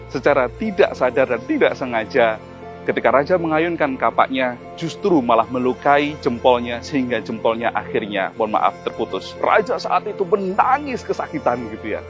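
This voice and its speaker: Male preacher telling a story. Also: mid-range voice. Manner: conversational, folksy. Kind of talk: sermon storytelling.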